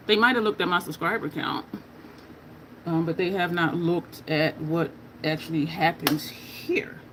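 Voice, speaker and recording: A woman's voice: lowish voice, steady tone, unhurried, slight background noise, rough recording. A woman in her fifties chatting candidly while doing her makeup, answering viewer questions in a frank, conversational way. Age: 50s. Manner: candid, chatty, reading viewer comments aloud. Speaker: makeup vlogger.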